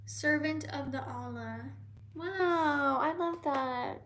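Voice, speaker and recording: A young American woman hosting a casual livestream, reading viewer comments aloud and often slipping into soft whispers. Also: sits high, slow, vocal fry. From United States. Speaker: livestream host.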